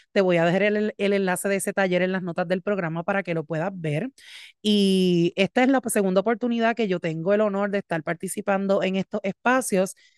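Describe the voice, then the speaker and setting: Against a quiet background, a woman speaks at a fairly quick pace and medium pitch, her intonation fairly even and the sound dry and close with no echo. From Puerto Rico, Orocovis. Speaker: podcast host. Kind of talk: solo podcast monologue.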